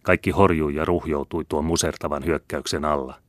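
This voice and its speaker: Audiobook reader, male, extremely low voice, dry close sound, measured delivery. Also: steady tone, dry recording. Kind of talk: scripted literary audiobook narration.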